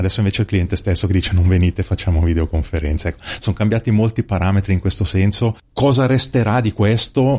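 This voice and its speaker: Very fast and very even in loudness, a man's fairly low voice comes across somewhat breathy with a dark, mellow tone. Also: ordinary pitch variation, hardly any pauses. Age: 50s. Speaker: chamber of commerce director. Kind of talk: podcast interview. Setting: studio.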